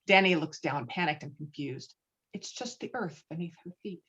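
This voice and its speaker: A woman's voice: sits low, expressive, normal speed, a bit bright, husky. Woman narrating a script, slightly dull sound. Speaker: narrator reading stage directions. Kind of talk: scripted narration at a virtual table read. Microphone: online call microphone.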